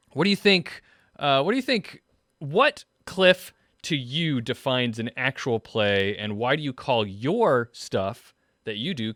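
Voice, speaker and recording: A man hosting a casual panel discussion, talking in a halting way as he thinks aloud. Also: medium pitch, fairly bright tone, no echo, studio quality. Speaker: host.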